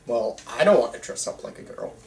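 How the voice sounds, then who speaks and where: A man's voice: medium pitch, animated, a little fast. A man reading casual dialogue in an amateur table read. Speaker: table read participant playing a young filmmaker. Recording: echoey room, distant mic, faint noise.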